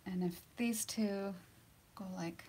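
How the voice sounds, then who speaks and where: Her pace slow and her tone steady, a medium-pitched woman painting instructor demonstrates live in a studio surrounded by lights and cameras. She chats and laughs often, at times falling to a quiet near-whisper while working, and there's a little hiss or hum on the recording.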